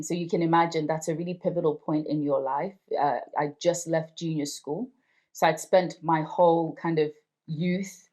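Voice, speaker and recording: A woman in her thirties from Zimbabwe, whose first language is Ndebele, reflecting in a conversational way during an oral history interview. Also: low voice. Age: 30s. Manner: reflective, conversational, warm storytelling.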